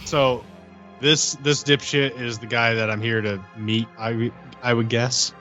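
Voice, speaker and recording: A man's voice: mid-range voice, little pitch movement, measured pace, sharp tone, lo-fi sound, soft background music. A man playing a tabletop game, chatting casually in an informal, blunt way. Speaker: player in a tabletop RPG podcast.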